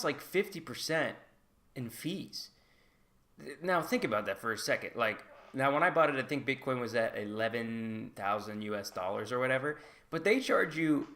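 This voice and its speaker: Bright-voiced guy vlogging. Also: mid-range voice. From United States. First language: English. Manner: chatty and candid, hedging with "like" and "I guess". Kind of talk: casual talk to camera.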